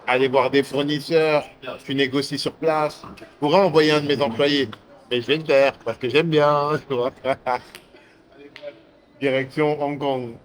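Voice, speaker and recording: A man's voice: on the high side, steady tone, normal speed. A young man vlogging casually to the camera as he travels, in hyped, slangy street talk. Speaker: entrepreneur vlogger. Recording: noisy traffic and street background.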